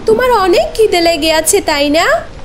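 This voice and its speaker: Woman as cartoon mother bird, very high voice, animated, caring, anxious, earnest, pleading. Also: measured pace, a little hiss or hum. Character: caring, anxious mother tailorbird with tender devotion.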